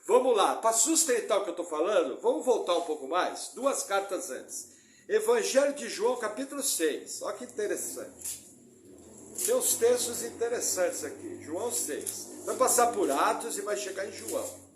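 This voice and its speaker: A man preaching a sermon as pastor, lively and joking, acting out voices of church members. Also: sits high, moderate pace, slight background noise. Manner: lively, joking preaching with mimicked congregation quotes. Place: church hall. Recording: echoey church hall.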